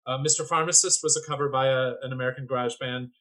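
A man's voice: mid-range voice, steady tone, quick pace, pushed and bright, poor audio. A man guest on a music podcast, rambling and searching for titles in casual chat.

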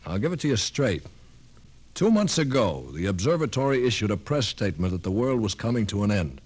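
An actor in a 1950s radio drama playing a brash, pushy newspaper reporter with insistent, colloquial talk. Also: male voice, lowish voice, sing-song, a little fast, darkish tone, slightly rough.

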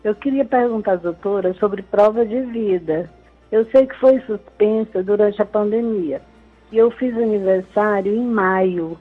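A woman's voice: mid-range voice, a little slow, faint music behind. An older woman from Brazil calling in to a radio show over the phone, asking a plain, direct question. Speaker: radio caller. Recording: tinny phone line on radio.

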